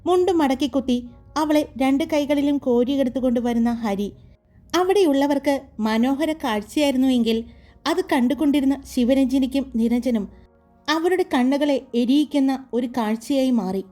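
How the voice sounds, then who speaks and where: A woman reading a serialized romance story aloud in a calm, even storytelling voice. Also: high voice, normal speed, faint music behind.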